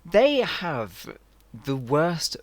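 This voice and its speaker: Lively-voiced man podcast co-host. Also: on the high side, very slow. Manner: easygoing, laughs along, casual swearing. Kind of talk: casual chat.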